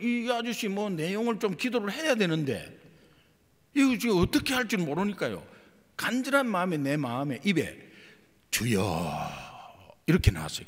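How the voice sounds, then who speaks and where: A man's voice: high voice, slightly rough, long reverb tail. A male pastor preaching a sermon in a church, telling a story and acting out the dialogue. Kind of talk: sermon testimony. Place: church sanctuary.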